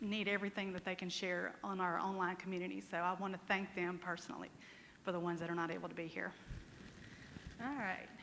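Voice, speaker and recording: Fairly quick, fairly even speech from a woman with a Southern US accent and medium pitch, in a space with audible room echo. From US South. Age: 50s. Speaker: speech therapist. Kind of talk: conference talk. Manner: halting.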